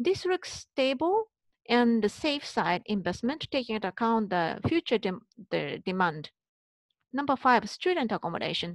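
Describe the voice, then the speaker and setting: A woman's fairly high voice with a Japanese accent, very wide pitch swings and a moderate pace, in a dry, close sound with no echo on a very clean recording with a silent background. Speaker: real estate investment advisor. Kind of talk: presentation to camera. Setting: outdoors by the ocean. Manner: halting.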